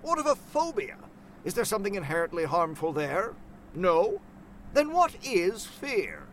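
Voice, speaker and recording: A man's voice: high-pitched, sing-song, unhurried, slight background noise. A man voicing a playful, theatrical shape-shifting slug monster in a spoken story. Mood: measured. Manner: theatrical, swings between goofy and ominous.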